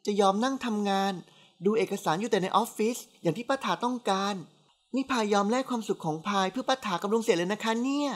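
A woman's voice: mid-range voice, fast, voice pushed up, lightly acted. A woman reading a novel aloud, voicing a playful, sassy young woman who teases her aunt. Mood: coaxing. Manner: bright, coaxing and sassy. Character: playful cheeky young woman, teasing niece.

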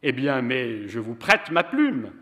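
A man's voice: mid-range voice, very animated, takes it slowly, sharp tone, voice pushed up, heavily acted. A man reading aloud and voicing a placid, pedantic old man in white, raising his voice for the role. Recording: reverberant hall.

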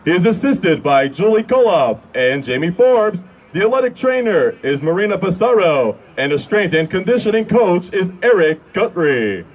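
A man in his twenties announcing formally and with measured delivery as a sports PA announcer, into a handheld microphone. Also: high-pitched, big pitch swings. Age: 20s. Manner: formal, measured, drawn-out names. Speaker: public address announcer. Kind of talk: stadium PA announcing, scripted intros. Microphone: handheld microphone held close. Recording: outdoor crowd and ambient noise behind.

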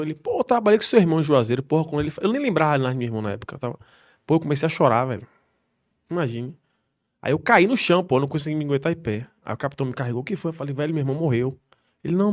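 A man, a podcast guest who works as a police soldier, telling an emotional personal story in an emphatic way, swearing freely and acting out the people he quotes. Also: on the high side.

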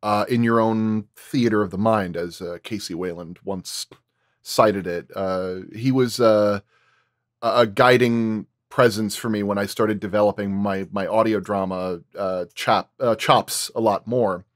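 Male panel guest, lower register, dry recording, thoughtful and detailed explainer in casual discussion. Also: fairly even intonation, a little slow, dry recording. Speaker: sound designer, panel guest.

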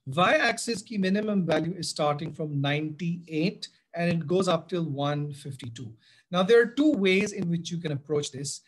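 A man's voice: on the high side, moderate pace, slight background noise. A man with a South Asian accent giving an instructive tutorial as a teacher, speaking directly to pupils and switching between languages. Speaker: biology teacher. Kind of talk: tutorial explanation, switching between English and Hindi-Urdu. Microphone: screen-recorded voice-over.

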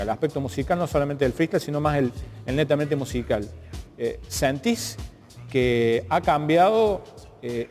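A man with a Cordobese Argentine accent, interviewing conversationally in a halting, thoughtful way, repeating words as he builds his questions. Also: medium pitch, a little mellow. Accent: Cordobese Argentine Spanish. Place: large art gallery, indoors. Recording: long hall reverb, music underneath.

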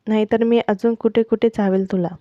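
A woman's voice: fairly high pitch, flat delivery, a little fast, no echo, natural voice. A woman reading the part of a teasing, affectionate young husband, in a dull, dry lo-fi recording.

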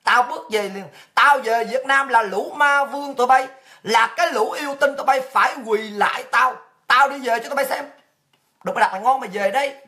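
A woman's voice: sits high, fairly quick, bright, forceful tone. A woman from Vietnam hosting a livestream show, delivering an abusive, mocking tirade full of rhetorical questions. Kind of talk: livestream rant.

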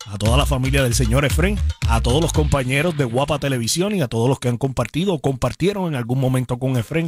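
A man hosting a radio show as DJ, with drawn-out emphatic words and casual slang. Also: medium pitch. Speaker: radio DJ and host. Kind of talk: upbeat Spanish-language radio presenting. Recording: broadcast radio with music under the voice. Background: music.

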